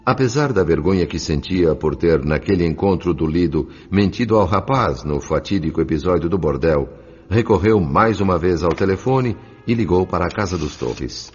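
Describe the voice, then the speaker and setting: A man giving solemn, measured, dramatic narration of a scripted audio story. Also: sits low, animated, husky. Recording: dull sound with music underneath.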